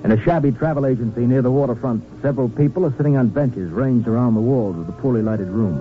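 A man's voice: medium pitch, fast talker, narrow, tinny audio, soft background music. A man narrating a scripted 1950s radio drama on a thin vintage recording.

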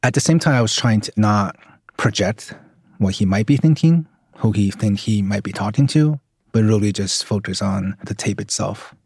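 A man from Taiwan, a native Mandarin speaker, talking thoughtfully in a measured way as an audio journalist in an interview. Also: fairly low pitch, darkish tone, husky, no echo, clean studio sound. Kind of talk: reflective interview talk.

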